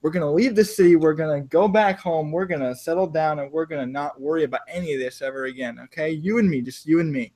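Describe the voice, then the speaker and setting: A woman's voice: deep voice, fast talker, hardly any pauses, mellow. A man reading the lines of an anxious young woman on the run, who rambles and repeats herself, in his own voice. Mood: urgent.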